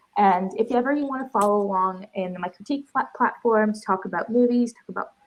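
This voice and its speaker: In a Quebec accent, a woman talks at a fairly quick pace with a fairly high pitch. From Montreal, Quebec, Canada. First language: French. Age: 20s. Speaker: pageant contestant and entertainment critic. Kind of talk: podcast interview. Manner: animated.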